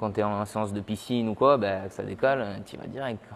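This is a man with a fairly low pitch. He keeps his intonation fairly even. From Bordeaux, southwest France. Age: 20s. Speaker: firefighter and CrossFit athlete. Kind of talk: casual interview. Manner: halting, many fillers.

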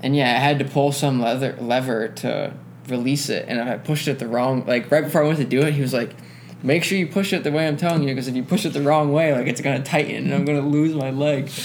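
Very fast speech with fairly even intonation, noticeable background noise and audible room echo. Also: man, fairly high pitch for a man. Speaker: college student podcast host. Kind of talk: casual chat.

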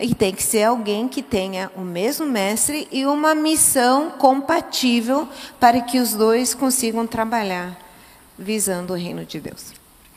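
Amid audible room echo, a woman with a fairly high voice speaks at a fairly slow pace with lively intonation. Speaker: missionary. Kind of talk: testimony. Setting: church.

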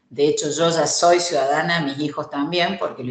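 A woman with a Cordoban Argentine accent, moderate pace and fairly even intonation. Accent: Argentine Spanish (Córdoba). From Argentina, Córdoba. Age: 50s. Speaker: fast-food worker, former court employee. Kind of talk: radio interview.

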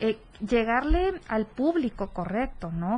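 This woman's fairly high voice is somewhat breathy, with lively intonation and a fairly slow pace. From Tuxtla Gutiérrez, Chiapas, Mexico. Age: 30s. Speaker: visual artist and cultural promoter. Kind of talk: radio interview.

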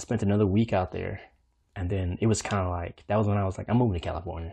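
Against a quiet background, a man talks at a very fast pace in a somewhat breathy voice, dark and mellow in tone, with fairly even intonation. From Tennessee, Nashville. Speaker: podcast guest. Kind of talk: casual chat.

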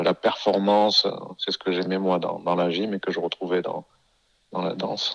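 Against a quiet background, a man talks at a moderate pace with a fairly low pitch. The sound is dry and close with no echo. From France, Bordeaux (Grand Parc). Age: 40s. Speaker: dancer and choreographer. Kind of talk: interview. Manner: hesitant, with many repetitions.

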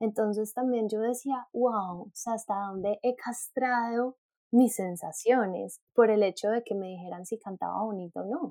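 Delivered at a fairly slow pace, the dark, mellow voice has ordinary pitch variation and a dry, close sound with no echo. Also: woman, fairly high pitch for a woman. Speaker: podcast co-host and singer. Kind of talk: casual interview chat.

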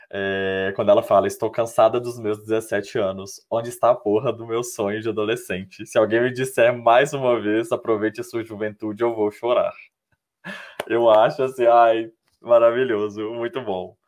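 A man talks in a plain, everyday voice at medium pitch, keeping a moderate pace and fairly even intonation. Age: 20s. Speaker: journalist and pop culture commentator. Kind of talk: casual chat.

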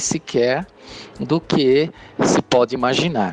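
Against noticeable background noise, the speaker moves at a fairly slow pace with ordinary pitch variation. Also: man. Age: 50s. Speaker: author and book editor. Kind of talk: interview. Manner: halting.

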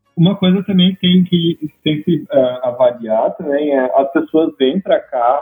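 Very wide pitch swings in a high-pitched male voice. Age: 30s. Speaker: Brazilian immigrant in Canada. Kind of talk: casual chat.

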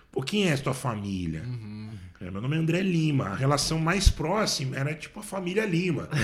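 A man talks at a moderate pace with fairly high pitch, very wide pitch swings and big swings in loudness, hardly pausing. Noticeable background noise and audible room echo fill the recording. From interior of São Paulo state, Brazil. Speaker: advertising agency CEO. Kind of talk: casual interview chat.

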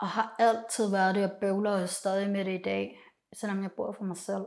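On a very clean recording with a silent background, a woman of medium pitch talks at a fairly slow pace with fairly even intonation. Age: 20s. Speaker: adoptee sharing personal story. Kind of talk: personal testimony interview.

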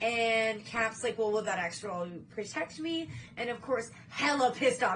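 With an animated tone and lively intonation, a woman with a fairly high pitch speaks at a fairly slow pace over noticeable background noise. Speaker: podcast host, Marvel fan. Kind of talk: casual chat. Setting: home recording with ring light.

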